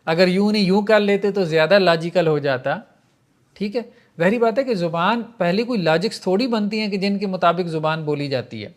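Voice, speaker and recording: A man with a high, light voice teaches grammar to a class. He explains points patiently and chants through verb conjugations one form after another. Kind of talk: classroom lecture.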